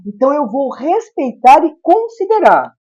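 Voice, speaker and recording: An older woman hosts a studio talk show with a chatty, easy manner. Her voice sits somewhat high. She keeps jumping in to agree and to finish her guest's sentences. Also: big pitch swings, moderate pace, a little mellow, lo-fi sound. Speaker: host. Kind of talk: casual chat.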